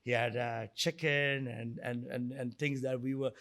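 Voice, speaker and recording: A middle-aged man from Sri Lanka speaks as an interview guest. His voice sits at a medium pitch with noticeable creak. He talks conversationally and haltingly, often doubling words and rephrasing mid-sentence. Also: fairly even intonation, fairly bright tone. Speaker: guest, entrepreneur and investor.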